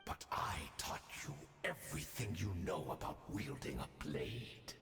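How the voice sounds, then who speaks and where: In an echoing hall with noise behind, an ancient, arrogant master swordsman from a fantasy game. He speaks slowly and condescendingly, with gravel in the voice and wide swings in pitch. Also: lively intonation, fairly bright tone, faint music behind, heavily acted. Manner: slow, condescending, measured. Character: immortal old swordsman and former master, arrogant, calm. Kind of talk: fantasy video game voice acting.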